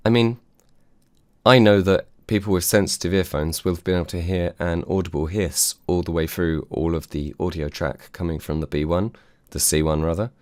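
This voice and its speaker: A man's voice: darkish tone, clean tone, no echo. A man, reviewing a microphone in a casual, dry, self-deprecating way. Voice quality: low voice. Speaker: tech reviewer. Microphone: desk microphone on a mic arm.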